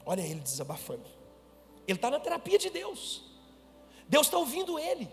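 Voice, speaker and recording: Emphatic pastor, high voice. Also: male voice, huge pitch swings, normal speed, gravelly, in a large hall, soft background music. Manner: emphatic, calls on the congregation to repeat and shout. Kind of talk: sermon.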